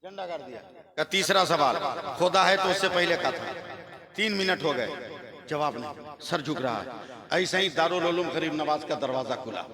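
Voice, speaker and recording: High-voiced man preaching to a crowd. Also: moderate pace. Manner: animated, rising to shouts at climaxes. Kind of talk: Islamic sermon storytelling. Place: stage before a large gathering. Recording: loud crowd of a large gathering.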